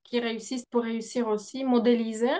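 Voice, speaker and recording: Hesitant higher-pitched woman guest. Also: little pitch movement, mellow. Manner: hesitant, searching for words with many pauses. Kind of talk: conversational interview.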